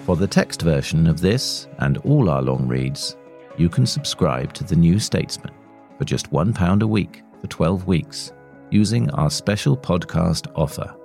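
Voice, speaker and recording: A man's voice: deep voice, expressive, measured pace, gravelly, darkish tone, soft background music. A man narrating a magazine article from a script. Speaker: narrator of a magazine long read.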